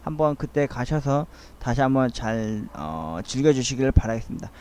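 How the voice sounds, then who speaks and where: A middle-aged man rambling through a soliloquy-style audio essay, speaking in a halting, earnest and wistful way. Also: mid-range voice, big pitch swings, a little mellow, clear, resonant tone. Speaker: host of a monologue essay channel.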